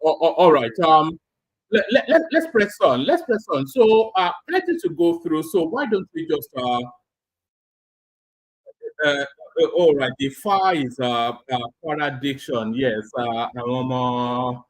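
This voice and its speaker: A man's voice: on the high side, big pitch swings, measured pace, no room sound, low-quality recording. A man from Oyo in southwestern Nigeria with a Yoruba accent, hosting a casual livestream commentary and emphatically repeating his phrases. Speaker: live stream host.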